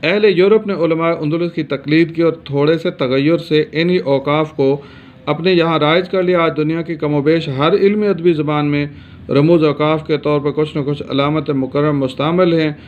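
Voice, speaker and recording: A man from Pakistan gives a grammar lesson with a somewhat high voice. He explains steadily and fills pauses with hesitation sounds. The recording is dull and lo-fi. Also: fairly even intonation. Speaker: teacher.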